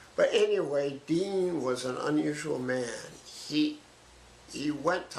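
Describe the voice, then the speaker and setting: A man with an American accent talks over noticeable background noise, with audible echo from the room. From Oregon, US Pacific Northwest. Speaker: interviewee recalling his life. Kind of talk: oral history interview. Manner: halting, with false starts.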